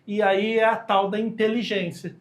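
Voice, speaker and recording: This communication expert, a Brazilian-accented podcast guest, has a high voice with a level tone and a moderate pace. He talks casually in slang and voices the lines he quotes.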